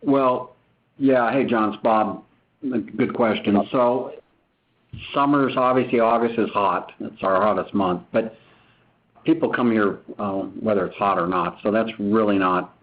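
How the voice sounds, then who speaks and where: A man speaking as a company executive on a phone-line earnings call, explaining things in a measured, unscripted way. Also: fairly low pitch. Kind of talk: unscripted business answers. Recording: tinny, narrow phone line.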